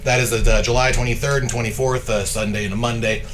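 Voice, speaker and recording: A man's voice: mid-range voice, fairly even intonation, fast, fairly bright tone. A man speaking as a community theater guest in a casual, informational interview.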